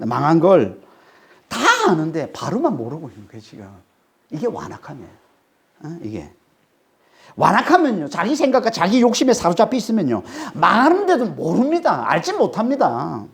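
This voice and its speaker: A male pastor from Korea working through a scripture passage with emphatic, animated delivery. His pitch swings widely as he stresses each point. He keeps asking the congregation short questions to hold their attention. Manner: animated, rises sharply when dramatizing. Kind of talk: expository sermon.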